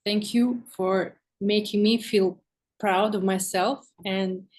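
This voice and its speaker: A woman speaks English as a second language in a casual interview, in the role of a visual artist guest. She pauses and searches for words as she explains her work, at an average pitch. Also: steady tone, a little mellow. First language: not English.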